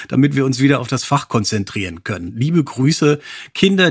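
Man, podcast host, husky voice, enthusiastic and effusive, dry close sound. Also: medium pitch, no echo. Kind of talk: lively podcast chat.

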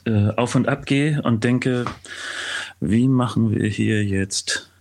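A man's voice: medium pitch, slow pace, a little hiss or hum. Demonstrative man explaining as an interview guest. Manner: animated explaining, acts out thoughts, hums motifs. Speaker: composer, podcast guest.

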